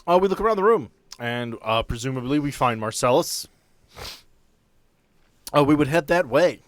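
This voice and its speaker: A man's voice: medium pitch, animated, moderate pace, dry recording. A man acting as game master, improvising narration and guiding players through a tabletop game.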